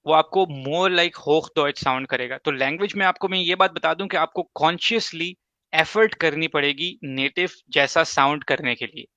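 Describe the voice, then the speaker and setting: Casting note: a man with Urdu as his first language, hosting a casual advice talk, slightly high and bright, dry lo-fi sound. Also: no echo. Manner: emphatic, explains with examples and quick asides. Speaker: host.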